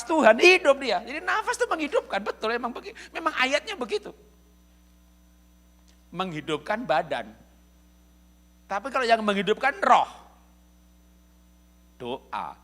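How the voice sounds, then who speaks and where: A middle-aged male pastor from Indonesia giving a lively, humorous church sermon, often chuckling as he speaks to the congregation. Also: high-pitched. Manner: jokey, addresses congregation as "saudara", chuckles often. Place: church service.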